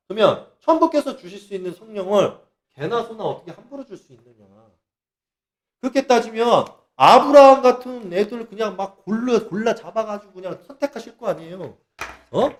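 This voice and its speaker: A man giving a ranting religious monologue, sarcastic and mocking. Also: high-pitched. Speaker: religious channel speaker.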